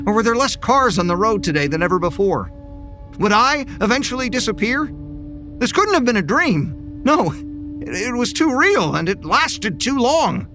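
An actor playing an anxious man who unravels into paranoia, stammering and halting as he narrates. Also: high voice, full character voice. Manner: halting, stammering, rising to desperate pleading. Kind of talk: audio drama acting with narration.

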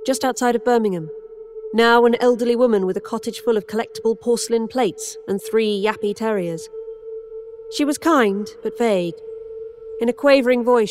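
A woman narrating a horror audio drama in first person, measured and introspective. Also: fairly high pitch, a little mellow. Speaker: narrator and lead character.

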